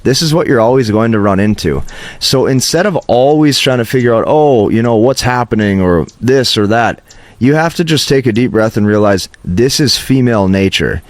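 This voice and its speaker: A man's voice: mid-range voice, animated, moderate pace, dry recording. A man speaking as a coach in an emphatic, instructive motivational monologue, often checking in with "okay". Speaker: host, dating advice coach. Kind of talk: motivational advice monologue to camera.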